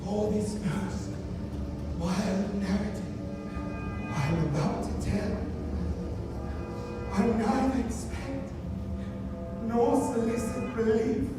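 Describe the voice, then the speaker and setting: A man playing a tormented condemned man confessing his crimes in a halting, theatrical gothic monologue, performed live. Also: sits high, fairly even intonation. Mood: weary, haunted. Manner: dramatic, halting, haunted delivery. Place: live indoor event space. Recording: echoey hall from far off, music behind.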